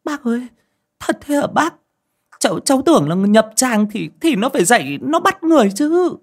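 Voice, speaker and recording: A frightened young woman questions her aunt in a spoken ghost story, voiced by a woman narrator. Her voice sits high and tense, with a husky tone. She sounds anxious. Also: sing-song, moderate pace, exaggerated voice.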